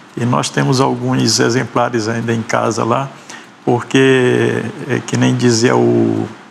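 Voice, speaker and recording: Over noticeable background noise, a man speaks very slowly with very even loudness. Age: 60s. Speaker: pastor and missionary. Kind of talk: testimony. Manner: halting.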